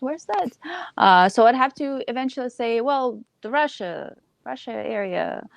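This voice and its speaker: Relaxed woman guest, dry close sound. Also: a little high, unhurried, vocal fry, no echo. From Ukraine. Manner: relaxed, chatty and wry. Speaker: podcast guest. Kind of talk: casual interview chat.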